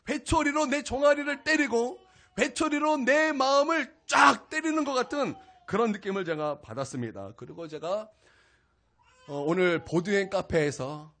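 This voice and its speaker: A male pastor preaching a weekday sermon, telling a personal story in an animated way. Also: sits high. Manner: animated storytelling, acts out his own angry outburst. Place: small church service.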